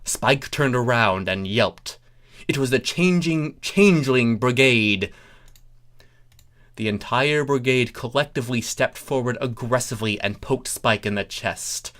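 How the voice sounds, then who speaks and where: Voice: mid-range voice, a little slow, a bit bright. A reader narrating a comic fan story in a dramatic storytelling style.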